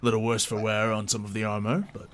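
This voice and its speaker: A man's voice: on the low side, level tone, fast talker. A man running a tabletop roleplaying game as game master, narrating casually.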